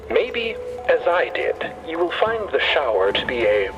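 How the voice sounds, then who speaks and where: A man voicing a fussy, caretaking mechanical man in audio fiction, speaking haltingly and carefully as he gently instructs. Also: on the high side, sing-song, highs cut off, over music. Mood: patient, wry. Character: fussy, caretaking mechanical man in a bellows-chested robot body. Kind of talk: scripted audio fiction dialogue.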